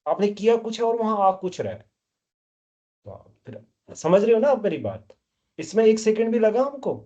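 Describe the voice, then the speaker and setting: Guy teaching math, high voice, mellow tone, kinda dull lo-fi sound, keeps grilling the class. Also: sing-song, normal speed. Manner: scolding, keeps questioning students. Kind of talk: classroom lecture.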